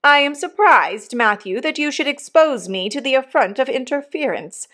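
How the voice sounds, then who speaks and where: A woman's voice: on the high side, very animated, slow pace, a bit bright, voice pushed up, heavily acted. A woman voicing a haughty, easily affronted upper-class mother in a storybook, speaking in a pompous, imperious manner.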